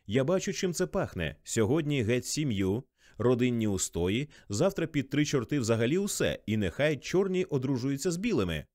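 Dude reading an indignant bullying rich husband, lively swings, dry sound. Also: male voice, medium pitch, normal speed, dry recording, lightly acted. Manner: blustering, indignant. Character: blustering, jealous wealthy husband, bullying.

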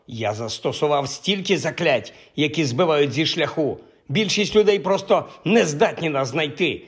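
A man's voice: fairly high pitch, lively intonation, natural voice. A man doing a sulky, irritable young wizard. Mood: irritated. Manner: irritable, drawn-out complaining. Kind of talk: audiobook character voice.

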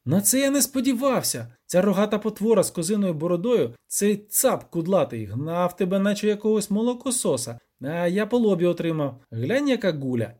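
A man doing an excitable cheeky poet. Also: sits high, brisk, few pauses, pitched above the performer's own voice. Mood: excited. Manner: mocking, exclaiming. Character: excitable young male poet, cheeky and dramatic.

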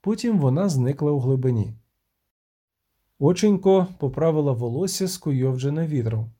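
Brief: male storyteller, lively pitch, mellow dark voice, scripted fantasy narration. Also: normal speed. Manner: expressive storytelling. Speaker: audiobook narrator.

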